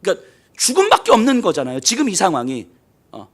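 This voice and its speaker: A man preaching a sermon as pastor, telling the story dramatically and acting out the voices of people in it, swinging between loud bursts and hushed near-whispers. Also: high voice, huge pitch swings, fast talker. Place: church sanctuary.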